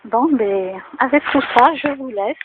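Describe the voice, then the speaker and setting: A woman's voice: a little high, a little slow, background noise. Chatty moralizing woman, tinny phone sound. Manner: chatty and moralizing, frequent fillers. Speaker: vlogger. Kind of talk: casual monologue to camera. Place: outdoors near home.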